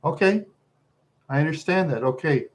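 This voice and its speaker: A man with an American accent chatting casually to viewers as a livestream host, rambling along in a talkative, halting way. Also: a little high, animated.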